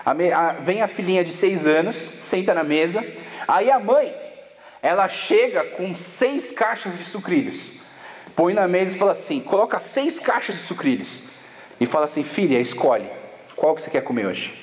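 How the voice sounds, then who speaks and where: High-voiced Brazilian pastor preaching casually. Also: male voice, lively intonation, normal speed. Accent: Brazilian Portuguese. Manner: casual slangy storytelling with acted quotes. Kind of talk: sermon to young people. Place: church camp hall. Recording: long hall reverb.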